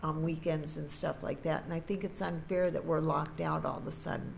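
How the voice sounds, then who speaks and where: Clear room echo hangs on speech delivered at a medium tempo. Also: woman. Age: old. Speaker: community member speaking at public comment. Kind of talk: public comment at school board meeting.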